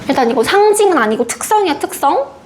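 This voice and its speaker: A young woman teaching a class, explaining a text in a lively way and acting out the lines it quotes. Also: very high voice, fast, slight background noise. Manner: animated, acts out quoted lines. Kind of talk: classroom lecture.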